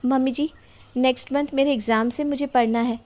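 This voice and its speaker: A woman's voice: high-pitched, steady tone, a little fast, a little mellow, voice pushed up, lightly acted. A woman voicing a polite, anxious young bride who wants to study, in a story. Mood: polite, hesitant.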